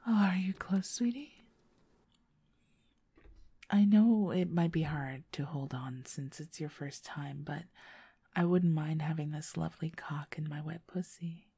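Woman, young, intimate roleplay voice: slow, dark, coaxing whisper, very close and dry. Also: low voice, husky, no room sound. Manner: soft, coaxing, often whispering.

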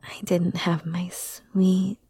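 Slow, soft-whispering woman, close to the mic. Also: lowish voice, little pitch movement, breathy edge, no room sound. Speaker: ASMR roleplayer. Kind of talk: ASMR roleplay.

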